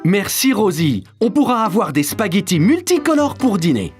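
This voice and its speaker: A man voicing a cheerful, playful cartoon dad in a French dub, animated and reassuring, with music behind. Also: high voice, moderate pace. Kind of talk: French-dubbed preschool cartoon acting.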